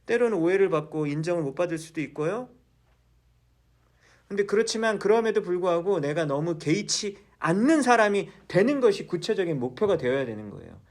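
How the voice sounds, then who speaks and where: A man's voice: high-pitched, animated, fairly quick. A male pastor preaching a sermon in a church, asking the congregation questions and then answering them himself.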